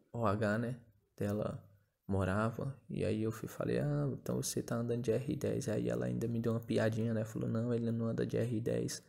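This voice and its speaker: A man's voice: medium pitch, vocal fry, dark tone, slightly rough. A man in his thirties with a Brazilian Portuguese accent gives a casual spoken testimony, hesitant and often repeating words with a tag question. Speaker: testimony giver.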